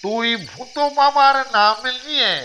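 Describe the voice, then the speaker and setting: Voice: medium pitch, measured pace, bright, forceful tone, dull audio, a little hiss or hum. An actor voicing a bossy elder ghost from a village in a children's cartoon. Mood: urging. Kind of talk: slow children's cartoon acting.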